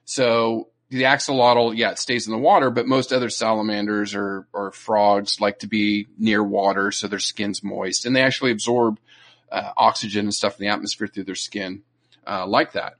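A man's voice: on the low side, flat delivery, normal speed, fairly bright tone. A man co-hosting a podcast, explaining animal facts in a loose conversational way, often checking in with "you know" and "right?". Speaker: podcast co-host. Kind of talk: casual educational chat.

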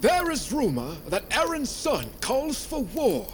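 Tribal messenger, high voice, takes his time, fantasy drama, bit of background noise. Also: wildly swooping pitch, a little slow, exaggerated voice. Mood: ominous. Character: watchful tribal messenger bearing rumors of war.

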